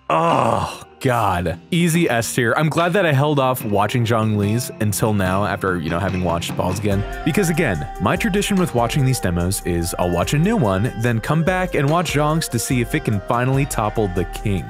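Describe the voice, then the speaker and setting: A man giving casual, enthusiastic commentary in an excitable, slangy and emphatic way. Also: medium pitch. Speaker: video creator giving commentary.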